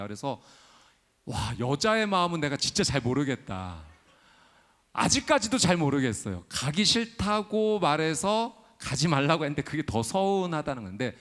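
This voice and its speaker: A man in his thirties preaching a sermon, acting out short dialogues and building to loud declarations. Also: on the high side. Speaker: pastor.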